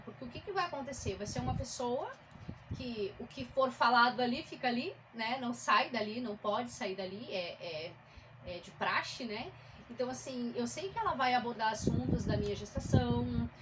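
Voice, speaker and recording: A woman with a southern Brazilian accent talks frankly and chattily, like a single mother speaking straight to her viewers. Her voice sits fairly high. A faint hiss of background noise runs under it. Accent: southern Brazilian Portuguese. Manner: chatty, frank, uses many fillers. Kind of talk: casual chat to camera.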